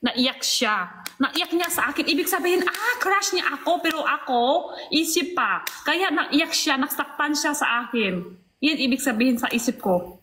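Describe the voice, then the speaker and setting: A woman's voice: high-pitched, animated, normal speed, sharp tone, a little hiss or hum. A young woman chatting casually in a playful vlog game, laughing often. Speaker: vlogger. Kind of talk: casual chat.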